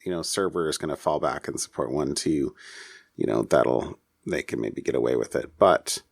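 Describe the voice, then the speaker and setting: Male podcast co-host, low register, halting conversational delivery on tech news, dry acoustic. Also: vocal fry, no room sound. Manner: halting, thinking aloud. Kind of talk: casual tech news discussion.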